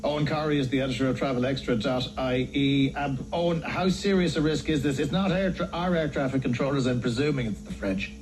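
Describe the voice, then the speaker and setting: Fast-talking Irish radio presenter, male. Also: medium pitch. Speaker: radio breakfast show presenter. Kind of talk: live radio news interview.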